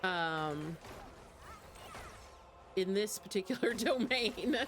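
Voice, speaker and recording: A woman's voice: medium pitch, lively intonation, drawn-out words, a little hiss or hum. A woman livestreaming video games, chatting casually and poking fun at herself. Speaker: game livestreamer. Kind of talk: casual gaming stream chat. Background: game music.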